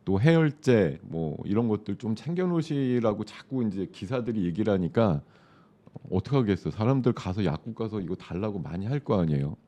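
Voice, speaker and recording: A man's voice: lowish voice, lively intonation, fairly quick, mellow. A man with a sore throat, a stock market commentator explaining trends in loose, conversational live-show chat with many fillers.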